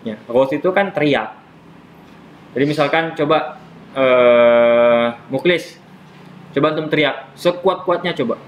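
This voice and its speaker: A man's voice: a little high, normal speed, pauses often, narrow, tinny audio, a little hiss or hum. A man teaching a casual classroom lesson on Islamic jurisprudence. He explains step by step, repeats his terms and teases his students.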